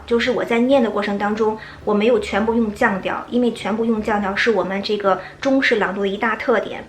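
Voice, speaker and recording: A woman teaching English in Chinese, with a British accent when she reads passages aloud slowly and clearly. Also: mid-range voice, fairly even intonation, reverberant, a little hiss or hum, rough recording. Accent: British English when reading. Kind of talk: reading lesson with read-aloud.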